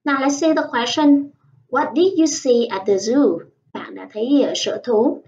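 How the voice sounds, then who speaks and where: A woman teaching English in an online lesson, patiently explaining and modelling phrases slowly. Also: on the high side, mellow. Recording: dull, slightly distant lo-fi sound.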